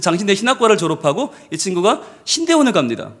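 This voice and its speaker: A man preaching a sermon as pastor, telling a story in an animated way and acting out the people in it. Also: high voice, fast. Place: church service.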